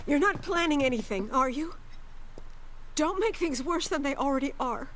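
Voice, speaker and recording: A woman's voice: high voice, animated, moderate pace. Worried, protective mother. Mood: anxious pleading. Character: worried, protective mother, gentle but firm. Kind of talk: video game voice acting.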